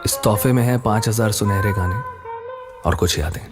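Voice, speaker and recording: A man's voice: lowish voice, moderate pace. A man reading a scripted product advertisement as an announcer. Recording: loud music over the voice. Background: loud music.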